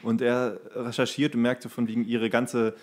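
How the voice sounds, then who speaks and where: A man's voice: mid-range voice, level tone, normal speed. A young man co-hosting a podcast, chatting casually. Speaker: podcast co-host. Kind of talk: casual chat.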